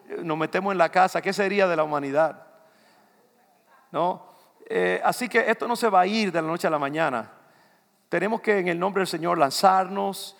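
Older Dominican pastor, gravelly voice, church hall. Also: male voice, high-pitched, fairly bright tone. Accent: Dominican Spanish. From Dominican Republic. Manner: conversational, loose preaching with asides to the congregation. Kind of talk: sermon. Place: church sanctuary. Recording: long reverb of a church hall.

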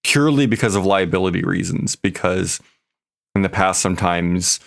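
A man co-hosting a podcast in casual, emphatic conversation with a gravelly, creaky voice. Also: low voice, moderate pace. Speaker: podcast co-host.

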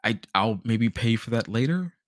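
A man co-hosting a podcast, giving a casual game review in an animated storytelling way, acting out reactions. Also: medium pitch, normal speed, dry recording, studio quality. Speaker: podcast host.

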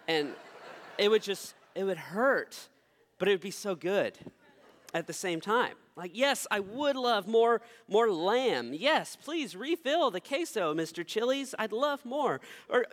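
A man's voice: high-pitched, a bit bright, big-room sound. A young man, preaching a sermon in a conversational, self-deprecating way. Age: 20s. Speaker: pastor.

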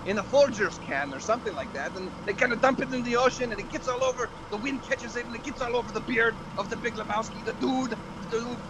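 A man playing a chatty, scatterbrained skeleton dad who hosts a comedy show, rambling excitably, repeating phrases and tagging sentences with "right?". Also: very high voice, fast talker, few pauses, background noise. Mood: chatty, eager. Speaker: show host. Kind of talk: improvised comedy skit banter.

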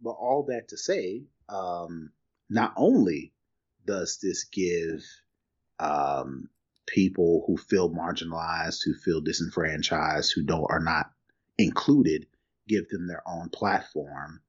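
A man co-hosting a casual tech news podcast, talking in an animated, slangy, emphatic way. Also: sits low, slow pace, muffled recording. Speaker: podcast co-host.

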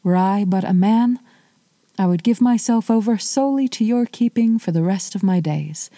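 A woman's voice: mid-range voice, moderate pace, mellow, no room sound, close to an everyday voice. A woman voicing a proud, stubborn young king. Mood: earnest. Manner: firm, declaiming.

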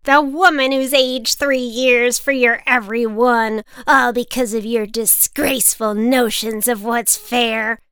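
A woman's voice: fairly high pitch, steady tone, unhurried, hardly any pauses, fairly bright tone, clean tone, dry recording, voice pushed up. Woman putting on a cackling scolding old lady. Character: sharp-tongued fierce old woman.

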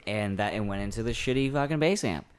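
Joking, swearing young man, slightly low. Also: lively intonation, quick pace, smooth. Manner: laughing, swearing, loose and jokey. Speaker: podcast co-host, band member. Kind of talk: casual chat.

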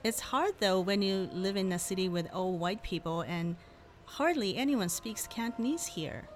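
A woman's voice: medium pitch, animated, moderate pace, a little hiss or hum, lightly acted. A young woman playing a chatty, upbeat student friend. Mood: candid. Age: young adult.

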